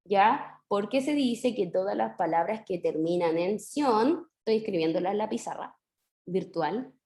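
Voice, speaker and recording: A woman's voice: medium pitch, animated, unhurried, mellow, roomy sound. A woman teaching an online primary class with a Chilean accent, patient and encouraging, stretching out syllables as she explains. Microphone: video call.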